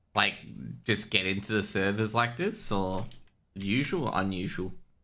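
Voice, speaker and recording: Bright and sharp in tone, a man's fairly low voice moves at a moderate pace with ordinary pitch variation. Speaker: esports caster. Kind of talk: live commentary.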